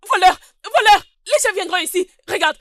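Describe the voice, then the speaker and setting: A woman dubbing a young woman who loudly demands her money back, in a French film dub. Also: very fast, no room sound, clean studio sound. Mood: insistent. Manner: shrill, shouting.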